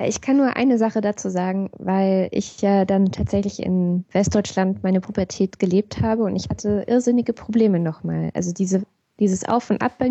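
A woman with a mid-range pitch speaks at a medium speed, her intonation staying fairly level. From East Germany, then West Germany. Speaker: journalist and blogger. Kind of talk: interview. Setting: Skype call. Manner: hesitant, many fillers.

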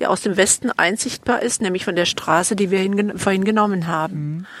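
Against noticeable background noise, a woman talks at medium pitch with a dry, close sound and no echo. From Germany, Hesse, Rhön border region. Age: 60s. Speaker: tour guide. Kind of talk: guided tour talk.

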